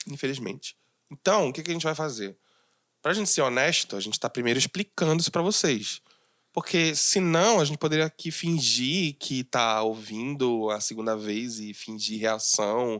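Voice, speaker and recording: Recorded very cleanly against a silent background, with a dry, close sound and no echo, a man speaks at a moderate pace and medium pitch in a plain, everyday voice with lively intonation. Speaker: podcast host. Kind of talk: casual chat.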